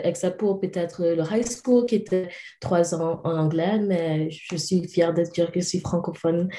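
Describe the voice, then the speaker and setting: A young woman from Cameroon chats casually as a podcast guest in an interview, speaking French sprinkled with English words. Her voice is low and warm, and the room sounds echoey.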